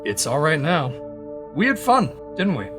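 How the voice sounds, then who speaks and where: A man playing a gentle, affectionate companion who appears as a dreamlike apparition in an audio drama. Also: a little high, wildly swooping pitch, moderate pace, over music. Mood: tender farewell.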